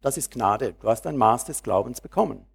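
A man preaching a sermon, reading Bible verses slowly and then speaking freely and directly to his congregation. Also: mid-range voice, lively intonation, vocal fry, breathy edge.

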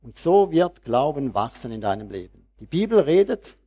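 A man preaching a sermon reads Bible verses slowly, then speaks freely and directly to his congregation. His mid-range voice is warm and sing-song.

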